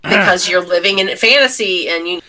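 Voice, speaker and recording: A woman's voice: fairly low pitch, moderate pace, sharp tone, poor audio. A woman talking casually and reminiscing as a podcast co-host.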